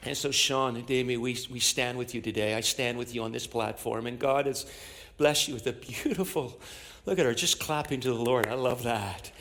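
A church pastor preaches and prays before a congregation from the platform, his mid-range, slightly bright voice moving at normal speed. His delivery is declamatory and repetitive, broken up by amens, as he leads the service through sermon and public prayer.

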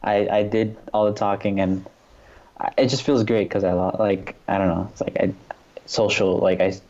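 A man's voice: lowish voice, fairly even intonation, moderate pace, a little mellow, muffled recording. A man from New York, a photographer, talking earnestly as a guest in a casual conversation, with lots of "like" and "you know".

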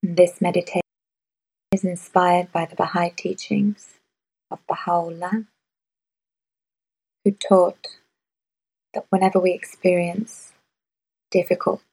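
A woman guiding a meditation in a soft, measured way, with long pauses between phrases. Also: lowish voice, little pitch movement, gravelly, breathy edge, poor audio. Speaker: meditation guide. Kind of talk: guided meditation.

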